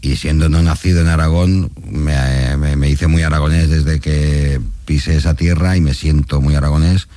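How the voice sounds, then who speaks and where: A man's voice: rumbling low, steady tone, normal speed, hardly any pauses, dark tone, dry recording. A middle-aged man from Catalonia, a guest in casual chat, who swears freely and tells anecdotes. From Catalonia, Spain.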